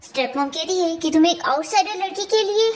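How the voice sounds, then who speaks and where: A woman's put-on character voice, squeaky and extremely high in pitch, at a very fast pace. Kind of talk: movie recap narration. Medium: solo performance. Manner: fast, conversational.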